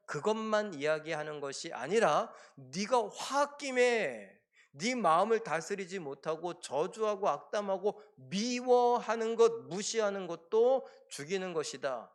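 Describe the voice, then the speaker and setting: High-voiced male pastor preaching. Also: lively intonation, measured pace. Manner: dramatic, acts out dialogue in quoted voices; asks the congregation questions, then answers them. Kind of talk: sermon at a Friday prayer service. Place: church.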